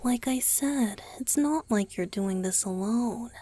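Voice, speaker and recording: A woman voicing a gentle, youthful male vampire boyfriend in a romantic ASMR roleplay, soft and hesitant. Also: fairly high pitch, slow, no echo. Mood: reassuring. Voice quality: soft, breathy, husky. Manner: hesitant, tender, sighing delivery.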